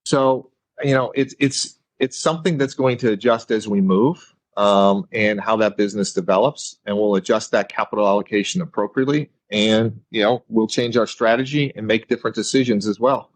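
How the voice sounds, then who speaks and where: Lowish-voiced corporate executive man. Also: moderate pace. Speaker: company finance executive. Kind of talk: measured business answers on an earnings call.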